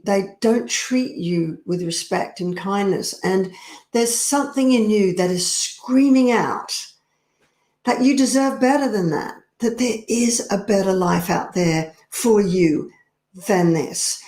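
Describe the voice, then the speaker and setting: A woman's voice: medium pitch, darkish tone. A middle-aged woman, a personal power coach, speaking earnestly and confidingly straight to the viewer. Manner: slow, earnest and confiding, addressing the viewer directly. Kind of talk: direct-to-camera coaching talk. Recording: roomy echo.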